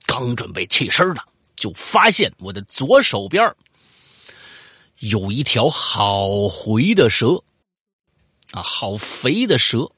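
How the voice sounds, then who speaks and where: A man's voice: mid-range voice, slow pace, pauses often, breathy edge, no room sound, studio quality. A man, casually telling a listener's story and chatting about it, swearing and rambling with lots of fillers. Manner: animated, swears, jumps into voices for quoted lines; rambling with frequent fillers and repeats. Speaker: host reading out a listener's story. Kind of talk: casual storytelling with banter and commentary.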